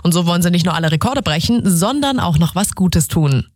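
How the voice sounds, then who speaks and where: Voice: mid-range voice, expressive, fairly quick, no echo. A radio presenter hosting a regional news show, chatty and upbeat, talking straight to the listeners from the studio. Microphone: studio microphone.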